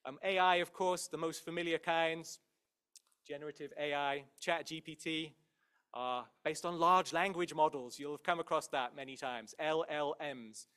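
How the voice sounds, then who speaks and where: Male academic, slightly higher register, conversational and emphatic, delivering an introductory university admissions talk. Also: a bit bright, clear, resonant tone. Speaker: professor, head of a university English department, giving an introduction. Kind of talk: admissions talk to prospective students.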